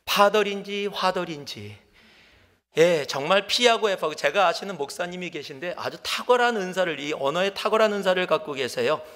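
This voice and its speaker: Lively high-voiced Korean pastor preaching. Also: male voice, fairly quick, hardly any pauses, long reverb tail. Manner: animated storytelling, acts out dialogue, drops to whispers. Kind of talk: sermon. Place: church sanctuary.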